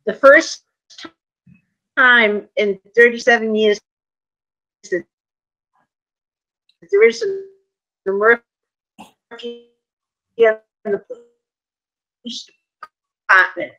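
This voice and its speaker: A woman on a town board speaking in a remote meeting, her video-call audio choppy and broken up, so her words come out slow, halting and full of gaps. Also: fairly high pitch, big pitch swings, sharp tone, dull audio. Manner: halting, drawn-out delivery with gaps between words. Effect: choppy, slowed, broken-up video-call audio that stutters and drops out.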